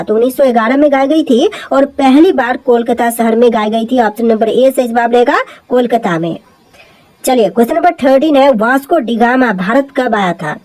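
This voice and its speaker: A woman with a Hindi accent reading out quiz questions and answers, repeating each answer in a steady, explaining way. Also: fairly high pitch, rough recording. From India. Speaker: quiz presenter.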